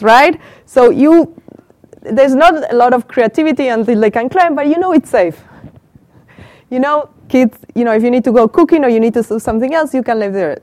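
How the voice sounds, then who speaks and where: Holding a handheld mic in a small room, a middle-aged Argentine professor leads an interactive talk for a small group, posing questions and repeating the replies she gets. She has an Argentine Spanish accent and a fairly high-pitched, darkish voice. There's no echo.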